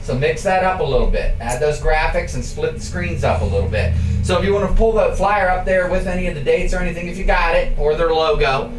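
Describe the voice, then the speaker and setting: A man's voice: a little high, brisk, hardly any pauses. A man hosting a local TV show in a casual, bantering interview style. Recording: roomy, distant mic, music behind.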